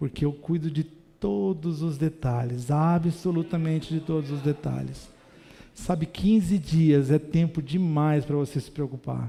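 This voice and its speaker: Somewhat breathy and dark, with a mellow tone, a man's fairly high voice moves at a fairly slow pace with ordinary pitch variation. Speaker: minister preaching. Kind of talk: sermon.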